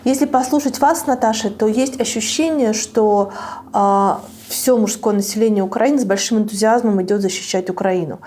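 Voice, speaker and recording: A woman's voice: medium pitch, normal speed, mellow, a little hiss or hum. A woman hosting an interview, asking direct, probing questions. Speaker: interviewer, host.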